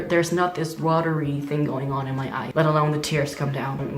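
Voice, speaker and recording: A man's voice: fairly high pitch, echoey room. A young trans man talking candidly in a casual video diary, chatty and full of "like" fillers. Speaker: vlogger.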